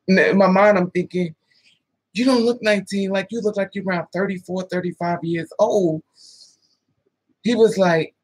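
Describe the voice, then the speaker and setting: A woman in her thirties tells a dating story to the camera, swearing freely and acting out both sides of the talk. Her voice is husky with a breathy edge. The recording is close and dry. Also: medium pitch, no echo. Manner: animated, profane, laughing asides. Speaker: vlogger telling a dating story. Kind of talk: casual storytelling with quoted dialogue.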